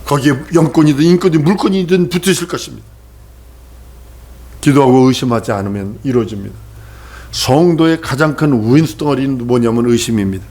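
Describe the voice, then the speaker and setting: A man's voice: medium pitch, fairly quick, darkish tone. A male pastor preaching a sermon with emphatic repetition, often turning to ask the congregation questions.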